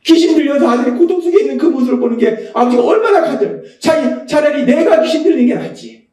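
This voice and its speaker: A man preaching a Sunday sermon as pastor, emphatic and repeating key phrases, sometimes rising to shouts. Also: very high-pitched, animated, quick pace. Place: church sanctuary. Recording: echoey church hall, mic at a distance.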